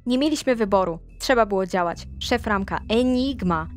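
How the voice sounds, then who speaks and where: Young woman, mid-range voice, gossipy in-character recap over faint music. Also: moderate pace. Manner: gossipy, confiding, speaks straight to the listener; pitch leaps up when excited. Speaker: player recapping her character's story.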